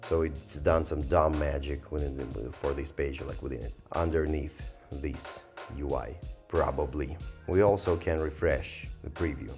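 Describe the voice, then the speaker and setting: A man giving a casual, rambling software review, thinking aloud in a hesitant and sardonic way as he goes. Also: rumbling low, a little slow, faint music behind. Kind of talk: casual screen-recorded review commentary.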